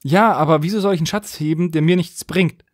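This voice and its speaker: A man co-hosting a podcast in casual review chat, opinionated and quick to argue a point. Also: fairly high pitch, no room sound, studio quality. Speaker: podcast host. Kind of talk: casual review chat about audio dramas.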